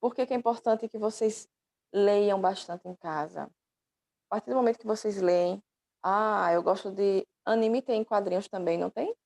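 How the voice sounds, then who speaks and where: A woman's voice: medium pitch, moderate pace, gravelly, a little mellow. A woman teaching an online class through her laptop microphone, patiently explaining step by step and affectionately calling her students dear.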